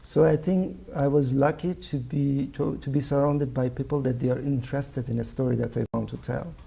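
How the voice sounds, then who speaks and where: A man from Iran speaks with a Persian accent in a very dark, gravelly voice that has a husky edge. He pauses often and muses his way through answers as an interview guest. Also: medium pitch, fairly even intonation. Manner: thoughtful, halting, frequent uh fillers. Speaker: filmmaker guest.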